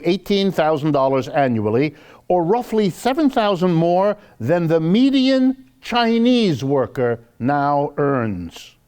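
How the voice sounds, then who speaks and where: Animated, higher-pitched American man lecturing. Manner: sarcastic, emphatic, drawing out key words for effect. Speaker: speaker giving a public economics lecture. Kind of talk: live lecture with read-out quotes and commentary.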